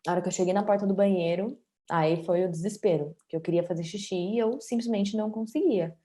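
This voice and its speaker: Mellow-voiced Brazilian woman in her twenties. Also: mid-range voice, fast. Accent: Brazilian Portuguese. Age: 20s. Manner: candid, conversational, often adds tag questions. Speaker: interview guest. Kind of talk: personal story in an interview.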